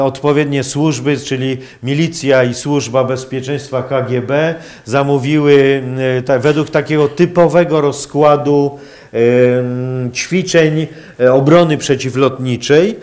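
A man giving a public lecture in a halting, hesitant manner with long pauses. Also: a little high, a little mellow. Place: university lecture hall, indoors.

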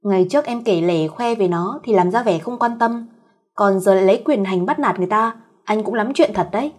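A woman plays a cheeky young cousin in an audio story, told as by a fireside storyteller. She is a teasing, protective woman with a husky, mid-pitched voice. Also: brisk, close to an everyday voice. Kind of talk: acted dialogue in an audio story.

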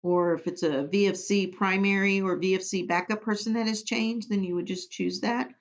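Woman trainer for a software walkthrough, plain instructional delivery with fillers, muffled computer-mic sound. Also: mid-range voice, fairly even intonation, moderate pace. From Missouri. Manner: plain step-by-step instructions with frequent ums. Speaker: immunization program trainer. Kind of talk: screen-recorded software tutorial. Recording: dull lo-fi audio.

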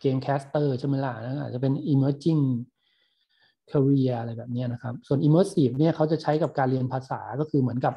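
A man's voice: mid-range voice, steady tone, normal speed, breathy edge, dull audio. A male university lecturer in a recorded online lecture, patiently explaining English words in Thai between clips.

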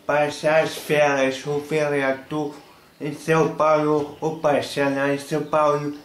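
A young man with a Carioca accent, talking casually to the camera in a small room and explaining slang word by word. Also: mid-range voice. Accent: Carioca Portuguese. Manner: slow, halting, explaining word by word. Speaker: YouTuber. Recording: roomy echo, faint hiss.

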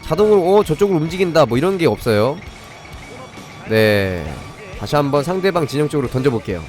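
Male game streamer, fairly high voice with lively swings, live commentary and viewer chat, music underneath. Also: a little fast. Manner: demonstrates step by step while breaking off to address viewers. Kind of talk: live gaming commentary and review, chatting with viewers.

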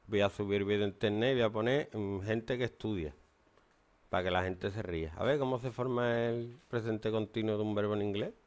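A man's voice: on the low side, fairly even intonation, fairly quick. A stern man, teaching and lecturing a class in a classroom. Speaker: English teacher.

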